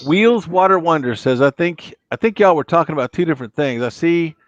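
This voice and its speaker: A man's voice: a little high, lively intonation, fairly quick, dry recording, muffled recording. A middle-aged man with an American accent, chatting casually as a livestream host and reading out comments. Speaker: livestream host, former law enforcement officer. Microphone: close microphone on a boom arm.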